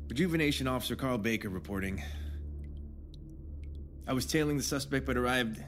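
A man's voice: medium pitch, a little hiss or hum. A man acting in an audio drama as a world-weary officer, sighing and businesslike as he reports. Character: world-weary male rejuvenation officer reporting a crime scene.

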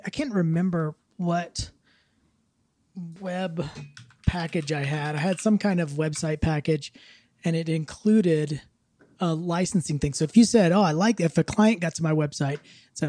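A man's voice: a little high, mellow, no room sound, studio quality. A man in his fifties, a podcast co-host, chatting casually with a wry, rambling way of talking. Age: 50s. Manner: rambling, self-correcting, wry.

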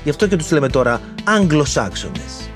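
A man's voice: a little high, sing-song, music in the background. A man hosting a history video, explaining legends in a playful, slangy way full of jokey asides.

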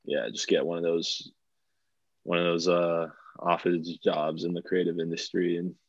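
A young man from Bulgaria talks through a podcast interview in a loose, rambling way, stacking fillers and restarting his sentences. His voice sits very low. The sound is dry and a little dull, like a lo-fi recording. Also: flat delivery, moderate pace, husky, no echo. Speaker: podcast guest, DJ. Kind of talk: casual interview chat.

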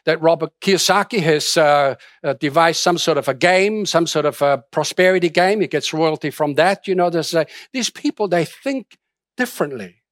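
A middle-aged Austrian pastor preaches a sermon conversationally, with many restarts and fillers. His voice is on the high side, lively and fairly bright, at normal speed. The studio sound is clean, with no room sound.

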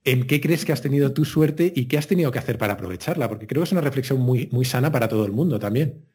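A man hosting a podcast interview, asking reflective questions in a relaxed, chatty way. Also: medium pitch, fast talker, breathy edge. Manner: reflective, thoughtful questions, laughs along. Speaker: podcast host. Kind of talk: casual interview chat.

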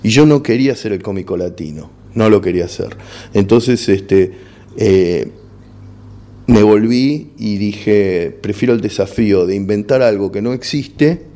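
A middle-aged man with an Argentine accent speaks in a mellow, darkish voice. He tells his story frankly and keeps circling back over words while hunting for the right one. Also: on the low side. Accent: Argentine Spanish. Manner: frank, repeats words and restarts while searching for words. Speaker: stand-up comedian guest. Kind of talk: casual interview chat.

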